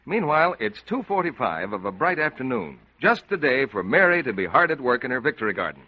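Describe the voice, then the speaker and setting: Lively old-time radio ad announcer man. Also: medium pitch, a little fast. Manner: smooth salesman patter, sweeping delivery. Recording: dull lo-fi old radio broadcast.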